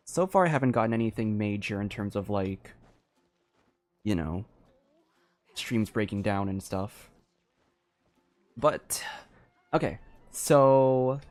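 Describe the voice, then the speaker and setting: A man livestreaming a game, chatting casually in a halting, rambling way into a close microphone. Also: medium pitch, dry recording.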